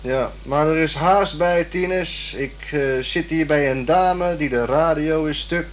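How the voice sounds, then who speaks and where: A simple, polite young repairman played by an actor in a radio drama. He is hesitant and deferential, with a fairly high male voice and slight noise on the recording. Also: a little slow, natural voice. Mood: pleading. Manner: hesitant, plain-spoken, deferential. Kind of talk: radio play acting. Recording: slightly noisy old radio play recording.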